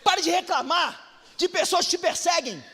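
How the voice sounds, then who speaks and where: This pastor's voice is very high, and he keeps a normal pace. Speaking with a Brazilian Portuguese accent, he preaches fervently in a church hall full of echo, frequently breaking into shouted exhortations.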